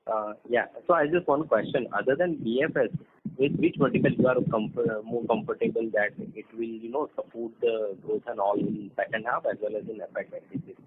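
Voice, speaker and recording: A man asking questions as an analyst on a conference call, halting and repeating himself over a muffled phone handset. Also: medium pitch, steady tone, a little hiss or hum. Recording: muffled narrowband phone line.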